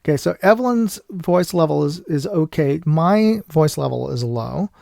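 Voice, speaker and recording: Creaky-voiced American man hosting a live chat. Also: on the high side, animated, mellow, no echo, studio quality. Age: middle-aged. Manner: halting, repeats himself. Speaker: live show host. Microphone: USB microphone.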